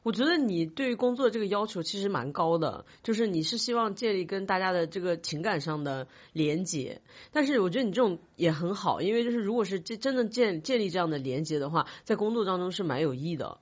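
Husky woman chatting at a brisk clip. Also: fairly low pitch, expressive. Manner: reassuring, questioning. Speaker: podcast host. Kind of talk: casual panel chat. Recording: dull, band-limited sound.

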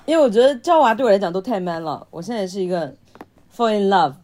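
Woman podcast co-host, playful and teasing, drops quick asides, middle pitch. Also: animated, warm tone, slight background noise. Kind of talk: casual chat.

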